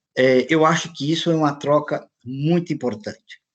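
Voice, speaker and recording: Pitch variation here is ordinary. It is a normal speaking voice at a moderate pace. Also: man. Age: 60s. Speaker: pastor and lecturer. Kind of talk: online group discussion. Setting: video call.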